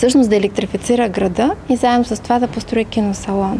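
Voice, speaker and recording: With noticeable background noise behind her, a woman speaks in a fairly even intonation. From Bulgaria. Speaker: archivist. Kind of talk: interview. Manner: halting. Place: garden. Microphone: handheld.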